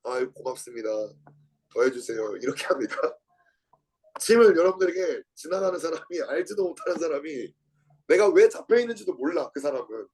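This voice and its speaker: A Bible study lecturer reads a book aloud and comments on it, repeating key words and questioning his listeners. His slightly rough voice is lively and a little fast, bursting out with sudden jumps in pitch and loudness when he acts out quotes, on a low-quality recording.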